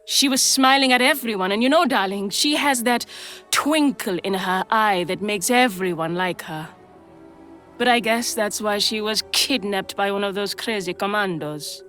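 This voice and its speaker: A woman's voice: mid-range voice, a bit bright, close to an everyday voice. Brothel madam, female actor, game role: sardonic, worldly, protective, theatrical delivery in a medium register over faint music. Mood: gossipy. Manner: theatrical, wry, coaxing. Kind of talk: scripted game dialogue.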